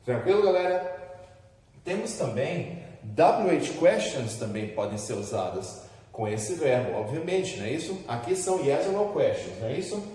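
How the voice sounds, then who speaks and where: This is a classroom English lesson from a Brazilian man with a Brazilian Portuguese accent, who works through the material at the board step by step and often checks that students are with him. His voice is mellow and medium in pitch. The room sounds reverberant, and his voice comes from some distance.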